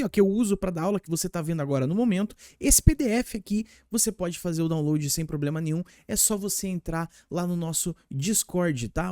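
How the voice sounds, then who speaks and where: A man's voice: fairly high pitch, darkish tone, no echo, studio quality. A man with a Brazilian Portuguese accent teaching English in a casual, chatty and enthusiastic way, talking straight to his viewers. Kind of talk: casual online lesson.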